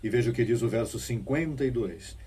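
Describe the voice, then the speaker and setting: Male preacher, dark husky voice, emphatic sermon delivery, mic a little distant. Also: mid-range voice, brisk. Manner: emphatic preaching, rising bursts and rhetorical questions.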